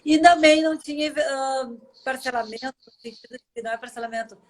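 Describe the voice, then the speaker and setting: A woman's voice: sits high, brisk. Chatty Brazilian woman telling stories. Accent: Brazilian Portuguese. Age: 40s. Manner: emotional storytelling, warm and chatty. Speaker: host. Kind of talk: casual live chat. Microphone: video call.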